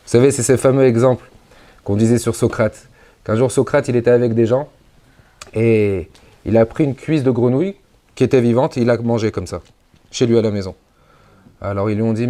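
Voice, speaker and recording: A man, a rabbi, giving a conference sermon with emphatic rises and drops, mixing Hebrew religious terms into his speech. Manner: emphatic preaching, sudden rises and drops in pitch and loudness.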